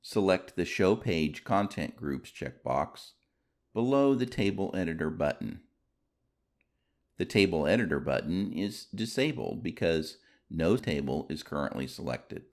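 A man's voice: sits low, expressive, a little slow. A man reading scripted step-by-step instructions as a tutorial narrator.

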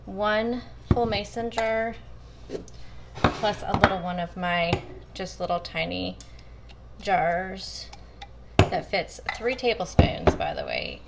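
A woman's voice: mid-range voice, sing-song, slow, vocal fry, long pauses, very noisy. A woman talking viewers through her weekly meal prep in a casual, chatty way as she works at her home kitchen counter. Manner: chatty, talks to viewers as "you guys". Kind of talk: casual cooking walkthrough.

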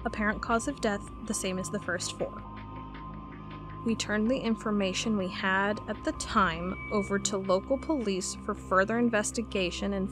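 A woman's voice: medium pitch, natural voice. A woman playing an inquisitive FBI cold case agent in an audio drama. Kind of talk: audio drama acting, reading case files aloud.

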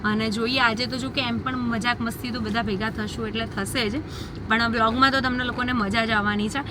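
A woman's voice: fairly high pitch, fairly even intonation, brisk, noisy background. A woman with a Gujarati accent, chatting casually in a family vlog. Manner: chatty, coaxing a child. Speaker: vlogger. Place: inside a car.

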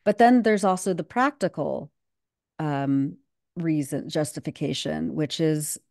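A woman's voice: deep voice, measured pace, vocal fry, darkish tone, no echo, studio quality. A woman in her thirties, a guest commentator, speaking emphatically over a video call and using plenty of fillers. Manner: fluent and emphatic, with many fillers. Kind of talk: casual video-call discussion. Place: home room on a video call.

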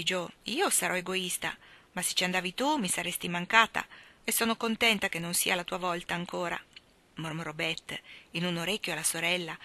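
A woman reading a classic novel aloud with expressive, measured narration. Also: medium pitch. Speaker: audiobook reader.

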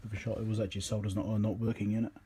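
Low-voiced New man, noisy workshop recording. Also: little pitch movement, rapid-fire, dark tone. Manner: matter-of-fact, thinking aloud in short fragments. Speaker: electronics repairer presenting a repair video. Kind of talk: casual unscripted workbench commentary. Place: indoor electronics workbench.

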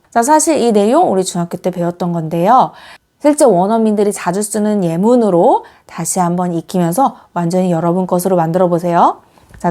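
A woman's voice: medium pitch, mellow. Patient woman teaching English grammar. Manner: patient, explains step by step with many "자" prompts; reads English example sentences slowly and clearly. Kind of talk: Korean-language English grammar lesson.

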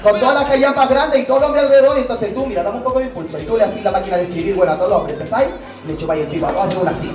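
A young man with a Chilean accent, a drag performer trading bawdy teasing banter at a bar, talking loud and brash with lots of slang. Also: high-pitched, racing. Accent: Chilean Spanish. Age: young adult. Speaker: guest. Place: large crowded bar. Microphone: handheld mic. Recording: echoey bar, mic from a distance. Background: loud music and crowd.

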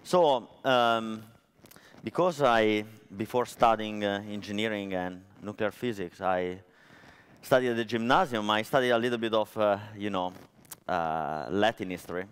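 A man's voice: fairly low pitch, moderate pace, clean tone. Italian-accented man giving a conference talk. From Italy. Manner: chatty, storytelling, frequent fillers. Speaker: conference speaker. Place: large conference hall stage. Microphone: headset mic.

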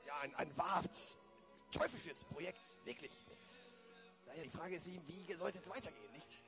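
A man's voice: a little high, normal speed, fairly bright tone, faint music behind. A man playing a courteous, awkward police inspector in an improvised audio drama, hesitant and often repeating himself. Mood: thoughtful.

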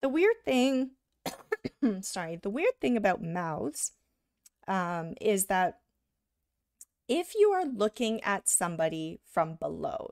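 A woman giving a live drawing lesson, talking casually while she sketches and often checking in with "right?", a little hoarse from being sick. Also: mid-range voice, dry recording, clean studio sound. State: slightly hoarse from illness. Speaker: art instructor.

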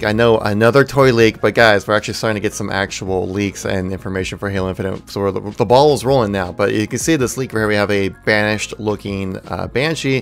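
Low-voiced man doing gaming commentary. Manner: enthusiastic, informal. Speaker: gaming channel host.

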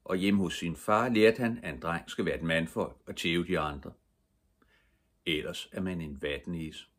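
An older man reading a children's story aloud as a bedtime story, telling it with lively character voices. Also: low-pitched. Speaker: audiobook reader.

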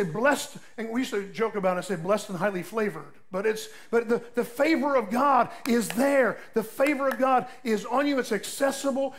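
An older man, a pastor, preaching a sermon in a folksy storytelling way, swinging between loud emphatic peaks and soft asides. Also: sits high.

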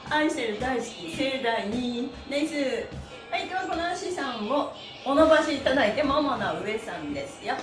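High-voiced woman leading exercise, roomy distant sound. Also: expressive, normal speed. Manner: cheerful, singsong chanting of encouragement. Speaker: stretching instructor and host. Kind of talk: live exercise instruction with chanted counts. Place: small indoor studio with bare wall and floor mat. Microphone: camera a few metres away. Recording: roomy, distant mic, music behind.

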